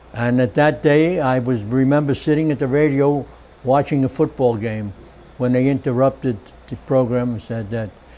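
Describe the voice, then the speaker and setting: A man with a New York accent speaks at a moderate pace, his medium-pitched voice keeping a fairly even intonation. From New York City, Brooklyn (Flatbush). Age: 80s+. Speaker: war veteran. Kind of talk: oral history testimony. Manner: halting.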